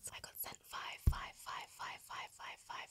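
The woman's voice comes through as a whisper. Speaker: ASMR artist. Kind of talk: sponsored product read. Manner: whispered, fast. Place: home room.

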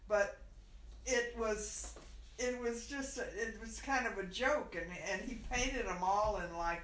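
A woman with a fairly high pitch talks at a fairly slow pace over noticeable background noise. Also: ordinary pitch variation. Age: 80s+. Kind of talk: interview answer. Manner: casual, conversational.

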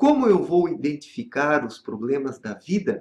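A man with a dark, mellow tone speaks at a fairly slow pace, his pitch swinging very widely. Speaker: vlogger. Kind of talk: casual vlog monologue, reflective. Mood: earnest, philosophical. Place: home room. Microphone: webcam.

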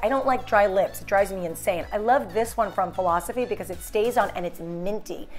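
Faint music plays in the background as a woman talks at a very fast pace. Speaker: lifestyle vlogger. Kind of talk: casual vlog chat. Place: home room.

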